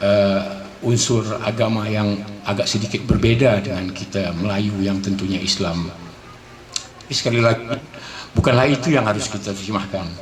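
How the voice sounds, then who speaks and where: Over noticeable background noise and audible room echo, a man speaks at a moderate pace with a fairly low pitch and fairly even intonation. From Riau, Indonesia (Dumai, Malay). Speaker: poet / literary artist. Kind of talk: talk before a poetry reading.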